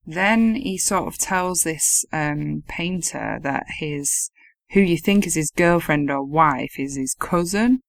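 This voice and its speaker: A woman's voice: low-pitched, slow pace, gravelly, dry recording. A woman co-hosting a casual film review chat, laughing often, swearing freely and sounding incredulous. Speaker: podcast co-host.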